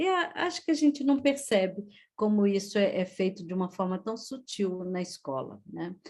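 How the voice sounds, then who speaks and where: A woman speaks at a moderate pace in a somewhat breathy voice of medium pitch, her pitch swinging very widely. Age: 60s. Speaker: professor and giftedness researcher. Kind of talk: online lecture. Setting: online talk.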